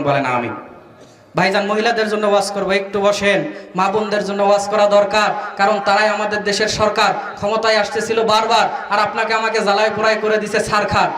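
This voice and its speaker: A man preaching a waz sermon, calling on the crowd to answer and breaking into sung verses. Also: high voice. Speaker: Islamic preacher. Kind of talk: Bengali waz sermon at an outdoor gathering. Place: tent gathering of a crowd. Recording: echoey loudspeaker sound from far off.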